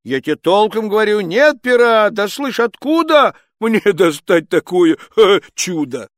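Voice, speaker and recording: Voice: medium pitch, sing-song, measured pace, dry recording, clean studio sound, voice pushed up. A reader voicing a young peasant lad who protests and pleads in a raised voice in a storybook verse tale. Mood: protesting.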